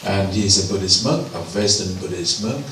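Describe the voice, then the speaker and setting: A man moderating a forum, slowly and hesitantly introducing the next speaker. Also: deep voice, lively intonation, fairly bright tone. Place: large hall. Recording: very echoey hall from far off, background noise.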